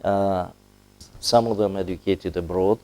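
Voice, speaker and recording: Halting Russian-accented man in dark, mellow voice. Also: sits low, steady tone. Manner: halting, deliberate, diplomatic wording with long hesitations. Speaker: ambassador, interview guest. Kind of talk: formal broadcast interview.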